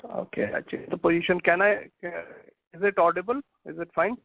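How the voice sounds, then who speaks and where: A man asks halting questions on an earnings call while his audio keeps breaking up. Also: sits high, steady tone, vocal fry, dry recording. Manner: hesitant, halting, with many fillers. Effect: glitchy, choppy call audio that keeps breaking up. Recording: tinny phone line, breaking up.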